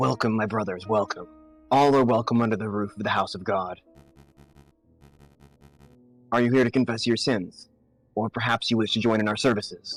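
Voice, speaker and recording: A man puts on a gravelly character voice at medium pitch and a fairly quick pace, with long, frequent pauses. Music plays in the background. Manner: welcoming.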